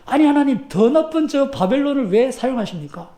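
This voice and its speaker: A man's voice: high-pitched, expressive, fairly quick, mellow. A man voicing an exasperated male prophet who protests to God with indignant, pleading questions. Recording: echoey church sanctuary.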